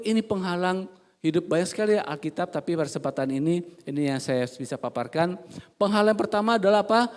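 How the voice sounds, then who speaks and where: This male preacher's fairly high-pitched voice carries an animated, humorous church sermon in which he quizzes listeners and alternates soft asides with sudden emphatic loudness.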